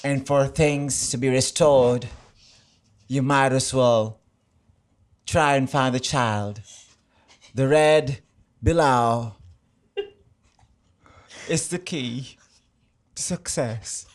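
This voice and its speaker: A woman voicing a mysterious male stall vendor, speaking in slow, portentous, drawn-out phrases in an improvised radio drama. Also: very deep voice, full character voice. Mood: cryptic, solemn.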